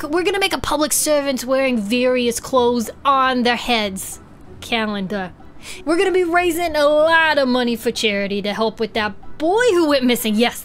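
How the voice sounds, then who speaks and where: A woman's voice: sits high, a bit bright, pitched above the performer's own voice. A woman voicing a cowardly, self-important male small-town deputy in a tabletop audio drama, pleading and blustering.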